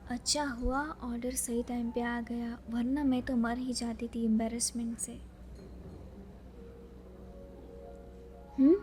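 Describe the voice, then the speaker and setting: A woman playing a chatty, dreamy young librarian who is easily flustered, musing softly to herself in an audio romance drama. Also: on the high side, flat delivery, normal speed, soft background music, lightly acted.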